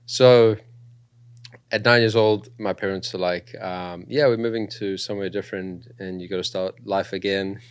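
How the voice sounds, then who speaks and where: A man's voice: sits low, moderate pace, smooth, no room sound. A young man from South Africa with a South African accent, telling his story as a guest in a casual podcast interview, with lots of fillers. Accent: South African with New Zealand influence. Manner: relaxed storytelling with frequent fillers.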